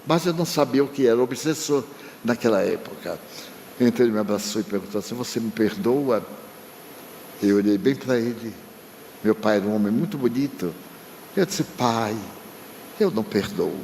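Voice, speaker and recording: A man's voice: mid-range voice, a little mellow. Older man telling a heartfelt story in a hall. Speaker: spiritist speaker. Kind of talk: storytelling lecture. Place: large lecture hall. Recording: long reverb from a hall, faint noise.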